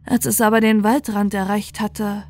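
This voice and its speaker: A woman's voice: mid-range voice, little pitch movement, normal speed, a little mellow. A woman reading a scripted bedtime fairy tale as its narrator.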